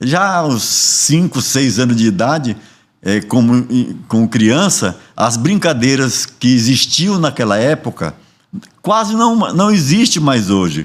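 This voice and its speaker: A man's medium-pitched voice at a very slow pace, with very wide pitch swings and very even loudness. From Amazonas, Brazil (Boca do Acre). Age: 60s. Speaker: pastor. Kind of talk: interview testimony. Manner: halting, with many restarts.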